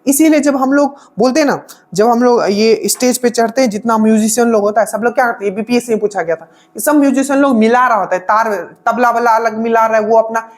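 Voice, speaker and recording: A woman teaches exam-prep science. She talks in a loose, conversational way. She circles back over each point and drops a quick "okay?" after nearly every phrase. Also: fairly high pitch, darkish tone. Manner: explains with constant "okay?" check-ins and repetition. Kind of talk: casual spoken lecture.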